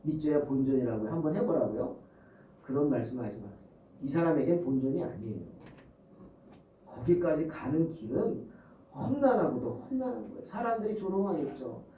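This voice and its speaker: A man preaching a sermon as a pastor, animated, acting out scenes and asking the congregation questions. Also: on the high side, normal speed, roomy sound, distant mic, slight background noise, low-quality recording.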